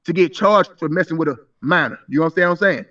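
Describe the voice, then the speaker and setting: A man's voice: on the high side, fast, fairly bright tone. A man in his thirties arguing insistently in a live stream debate, stumbling through repeated restarts. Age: 30s. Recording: muffled voice from a distance.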